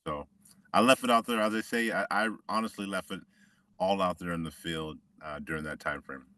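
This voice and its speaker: A middle-aged man from Washington State, a former football player telling his story in a relaxed, reflective way with many restarts. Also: sits low, fairly quick, recorded from a distance. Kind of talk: conversational interview.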